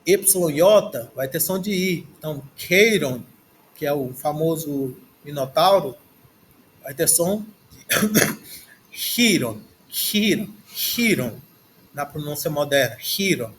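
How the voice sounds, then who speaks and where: A man's unhurried voice, on the high side, carries a Brazilian Portuguese accent over slight background noise. Seated at a desk in a screen recording, he works slowly and haltingly through a textbook lesson, saying words several times as he figures out how to pronounce them.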